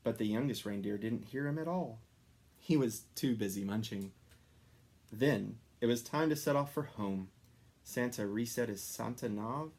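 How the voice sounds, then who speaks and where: A man reading a children's story aloud expressively, with dramatic pauses and stressed descriptive words. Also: fairly low pitch, darkish tone. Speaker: story reader.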